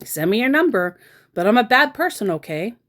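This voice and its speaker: A pushy grown man working an online scam, as a woman puts him on, with a high, bouncing voice. He is chirpy and sweetly overfriendly, and every line rises and falls. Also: very animated, brisk, a bit bright. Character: pushy adult male online scammer, overly friendly.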